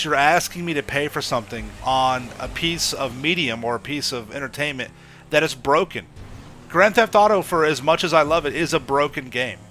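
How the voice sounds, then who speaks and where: A man's voice: mid-range voice, sharp tone, slight background noise. A young man with a stuffy head-cold voice, giving a blunt, casual opinion monologue to his gaming audience, checking in with "okay?" and "right?". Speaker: gaming YouTuber.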